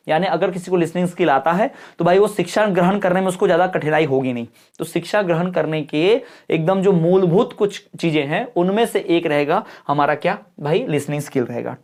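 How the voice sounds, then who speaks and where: A woman teacher giving an exam-prep lecture. She reads English definitions slowly, explains them, and often stops to check that her students understand. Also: on the low side, darkish tone. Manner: keeps checking understanding with quick questions.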